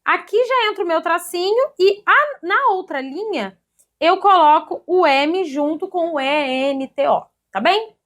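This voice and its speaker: A Brazilian woman teaching an online grammar lesson in a lively, chatty way, often checking in with her students. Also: extremely high pitch, unhurried. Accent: Brazilian Portuguese. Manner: lively, chatty, addresses students as "gente", ends points with "tá?".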